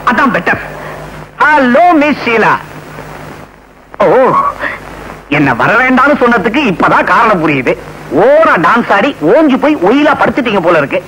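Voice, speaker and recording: A man's voice: extremely high pitch, pushed and bright, slight background noise, exaggerated voice, rough recording. An actor playing a boastful man who poses as a visitor from London, slipping English phrases into his talk. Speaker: comic actor in a film scene.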